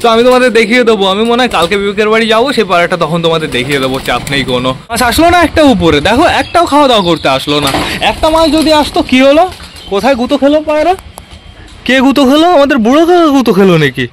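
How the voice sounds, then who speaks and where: A man's voice: very high-pitched, big pitch swings, very fast, a little hiss or hum. A man from West Bengal vlogging casually about his pigeons at his home loft, chatting to viewers and calling out to the birds. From West Bengal, India. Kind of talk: casual vlog narration.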